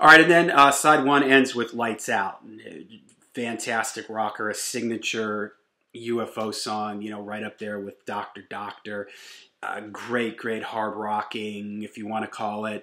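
A man's ordinary speaking voice at a fairly slow pace, with fairly even intonation and a quiet background. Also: fairly low pitch for a man. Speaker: music reviewer. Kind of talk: album review commentary. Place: home room. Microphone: webcam.

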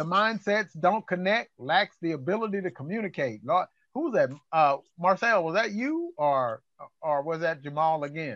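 Speaking at a moderate pace with a Southern US accent, a man uses lively intonation in a dry, echo-free recording with a quiet background. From US South. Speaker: church singles group leader. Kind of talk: group discussion facilitation. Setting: video call. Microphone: video call.

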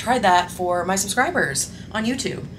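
Noticeable background noise sits behind a woman's voice. Her pitch is fairly low and her pace moderate. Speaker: food vlogger. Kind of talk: casual vlog chat. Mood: relaxed, enthusiastic. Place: home room.

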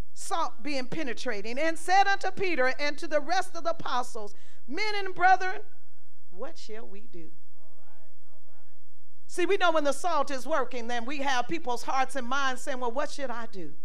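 A woman talks at a moderate pace in a high voice. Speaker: preacher. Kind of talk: sermon. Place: church. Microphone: handheld.

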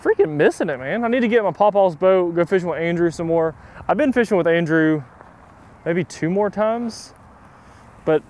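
A man speaks fairly quickly at a high pitch with ordinary pitch variation. The sound is dry, with no echo. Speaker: fishing vlogger. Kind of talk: casual vlog chat. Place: waterside. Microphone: lapel.

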